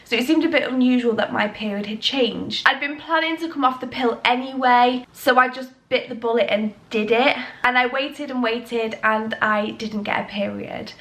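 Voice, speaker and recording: Young british woman vlogging, bit nasal from a cold, chatty and rambly, kinda high voice. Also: moderate pace, hardly any pauses, a bit bright. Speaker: health vlogger. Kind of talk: casual talk to camera.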